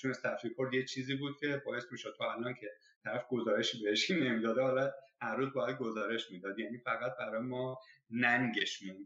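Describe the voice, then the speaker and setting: This man's pitch is medium, and his words come at a very fast pace. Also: fairly even intonation. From Iran, Arak. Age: 30s. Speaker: founder of an online education startup. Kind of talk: interview.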